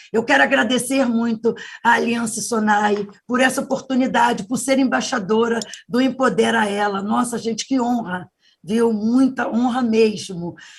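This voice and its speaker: A woman speaks with ordinary pitch variation. Her pace is moderate. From Rio de Janeiro, Brazil. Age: 60s. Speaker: entrepreneur, beauty business founder. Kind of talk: live interview. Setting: live stream.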